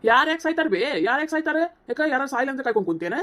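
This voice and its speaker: In a cartoon comedy, a woman with a high, animated, rapid-fire voice and fairly bright tone plays a heated young husband who defends his wife against his mother. Speaking with a North Karnataka Kannada accent, the character scolds and lectures insistently.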